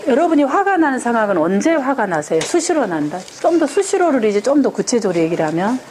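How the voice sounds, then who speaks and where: Female parenting instructor, lively and animated, pitched a bit high; keeps asking the class questions. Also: quick pace, slight background noise. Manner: animated, asks the audience rhetorical questions. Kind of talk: lecture to parents. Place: lecture room with an audience.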